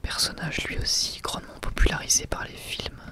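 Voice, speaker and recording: Casting: ASMR host, soft library whisper throughout, casual unhurried book commentary with musing asides.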